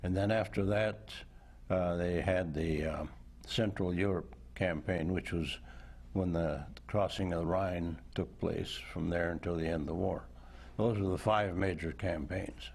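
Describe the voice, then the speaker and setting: A man in his nineties, a veteran recounting memories as a studio interview guest, unhurried and thoughtful with frequent pauses. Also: low-pitched, fairly even intonation, creaky, a little mellow. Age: 90s. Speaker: war veteran and author. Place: indoor television studio.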